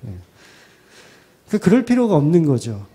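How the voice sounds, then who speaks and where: A man's voice: on the high side, normal speed, breathy edge. A middle-aged male pastor preaching a sermon, who acts out quoted prayers and repeats key phrases for emphasis. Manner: animated preaching, acting out quoted prayers and replies.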